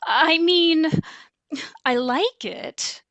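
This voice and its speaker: A woman's voice: very high voice, sing-song, extremely slow, fairly bright tone, exaggerated voice. A woman playing an aloof, coy 1960s Broadway star with an affected, languid manner in an audio drama. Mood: coy, breezy.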